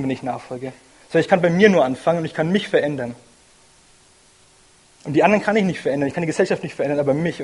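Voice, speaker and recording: A man's voice: a little high, darkish tone, husky. A young man giving an informal, personal sermon, earnest and thinking aloud as he goes. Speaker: lay preacher.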